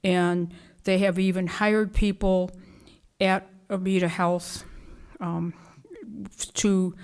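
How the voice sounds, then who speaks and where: Lower-pitched woman giving earnest public remarks. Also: darkish tone. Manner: earnest, with fillers and restarts. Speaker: commissioner presenting an award. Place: council chamber.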